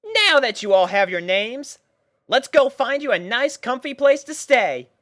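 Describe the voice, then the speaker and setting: A storyteller voicing a brash, caring, excitable cartoon pegasus pony mare with emphatic, drawn-out announcements. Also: mid-range voice, dry recording, studio quality, pitched above the performer's own voice. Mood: excited.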